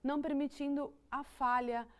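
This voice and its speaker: A woman with a Brazilian Portuguese accent talks through ideas in a relaxed conversation. Her voice sits a little high, and she pauses and restarts often as she thinks. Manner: thoughtful, many restarts and fillers, laughs lightly. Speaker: psychology guest. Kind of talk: conversational explanation.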